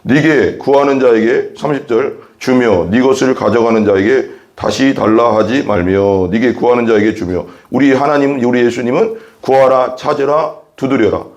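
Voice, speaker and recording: A man's voice: mid-range voice, normal speed, hardly any pauses, darkish tone, muffled recording. A man preaching a sermon as a pastor, reading Bible verses and explaining them earnestly, often repeating phrases and asking rhetorical questions.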